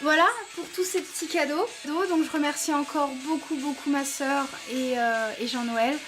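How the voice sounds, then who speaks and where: A high, bright-sounding woman with a French accent talks in an eager, chatty way, often pausing on fillers. She reviews beauty products for her viewers. Music plays clearly behind her voice. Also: fairly even intonation. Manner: enthusiastic, chatty, many fillers. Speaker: beauty vlogger.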